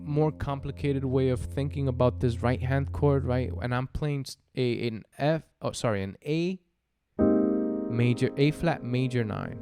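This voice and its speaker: A man giving a casual piano lesson, explaining step by step in a halting way with frequent check-ins. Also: mid-range voice. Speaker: piano tutor. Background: piano chords played alongside the voice.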